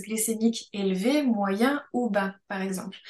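Very slow pace with ordinary pitch variation. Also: woman. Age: 30s. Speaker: dietitian. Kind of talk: casual chat.

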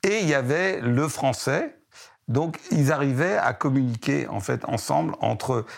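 Vocal fry runs through a man's fairly slow speech. His intonation is lively. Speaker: interviewee recounting memories. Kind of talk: personal reminiscence interview. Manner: hesitant, with frequent fillers and repetitions.

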